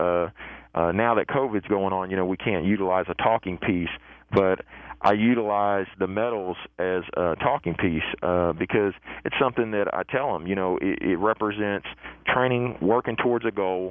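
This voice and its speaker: This man has a plain, everyday voice with fairly low pitch. He talks at a moderate pace with ordinary pitch variation. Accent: American. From Houston, Texas. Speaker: school principal. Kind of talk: interview.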